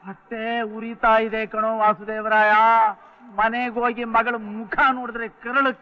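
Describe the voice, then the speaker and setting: A man's voice: high-pitched, flat delivery, moderate pace, lo-fi sound, natural voice. Actor as a vengeful bitter old father. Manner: theatrical, threatening. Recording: old film soundtrack with music.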